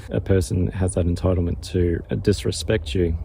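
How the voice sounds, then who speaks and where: With an Australian accent, a man speaks at a fairly quick pace in a very deep, low voice with vocal fry and ordinary pitch variation. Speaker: emotional wellbeing coach. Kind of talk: casual reflective talk to camera. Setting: outdoors. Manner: halting, with fillers and repeated words.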